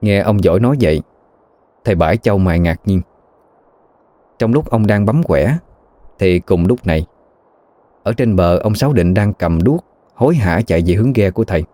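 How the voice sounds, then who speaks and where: Male narrator, very low, dry close read, steady storytelling. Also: moderate pace, pauses often, dry recording. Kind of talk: scripted narration of a ghost story.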